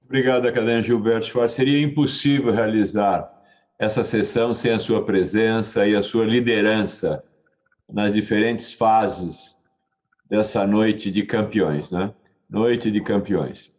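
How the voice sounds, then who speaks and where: Brazilian man, session chair, low voice, formal introductions, dull lo-fi line. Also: unhurried, darkish tone. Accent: Brazilian Portuguese. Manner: courteous and formal. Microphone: video call.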